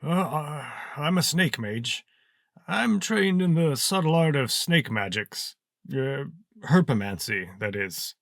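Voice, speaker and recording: Man putting on a high, hesitant old snake mage. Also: expressive, slow, creaky, a bit bright, no echo, studio quality, full character voice. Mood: nervous. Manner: hesitant, stammering.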